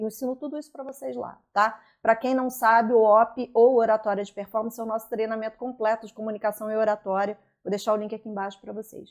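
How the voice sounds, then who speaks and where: A woman with a Carioca accent speaks at a very fast pace in a fairly high pitch, with fairly even intonation. Her loudness swings widely against a quiet background. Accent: Carioca (Rio de Janeiro) Portuguese. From Rio de Janeiro, Brazil. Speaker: communication and public speaking coach. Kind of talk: online lesson on content creation. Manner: casual, conversational.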